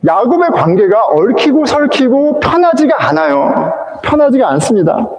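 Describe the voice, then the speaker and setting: Male pastor for an animated sermon; high, swooping delivery in a reverberant sanctuary. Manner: animated storytelling, acting out quoted characters. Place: church sanctuary. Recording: echoey church hall.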